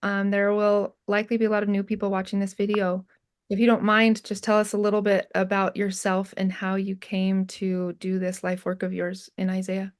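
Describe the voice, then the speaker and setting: A woman's voice: medium pitch, completely flat delivery, moderate pace. A woman hosting an interview, friendly and upbeat as she announces a conference and asks questions. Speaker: interviewer, event organizer.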